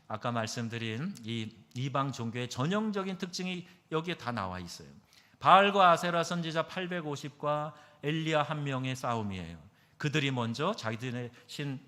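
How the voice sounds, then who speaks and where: A man, a pastor, preaching a sermon emphatically, asking his congregation questions and moving between loud stresses and soft asides. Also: mid-range voice. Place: church sanctuary. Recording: long hall reverb.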